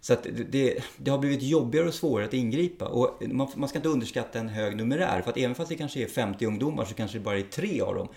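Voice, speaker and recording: A man's voice: medium pitch, gravelly, hardly any pauses, darkish tone. A middle-aged man, a police officer, speaking frankly and plainly in an interview, with some swearing. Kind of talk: interview conversation.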